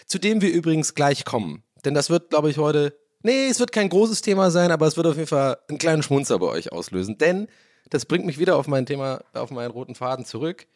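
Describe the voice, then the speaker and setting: A young man, slightly hoarse, hosting his own podcast from a room at home and ranting in a casual, swearing way. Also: on the high side. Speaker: podcast host. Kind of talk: casual solo podcast monologue. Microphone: own studio mic.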